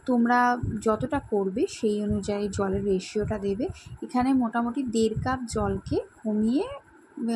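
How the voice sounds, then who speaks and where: A woman's voice: on the high side, background noise. A woman hosting a cooking channel, giving a home remedy tutorial and talking straight to her viewers in a friendly way. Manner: friendly, addresses viewers directly.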